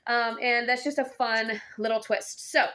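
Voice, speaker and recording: A young woman talks casually through a book review, her voice sitting a little high for a woman. She rambles in a chatty way, full of ums and restarts. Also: steady tone, measured pace, bright, forceful tone, smooth.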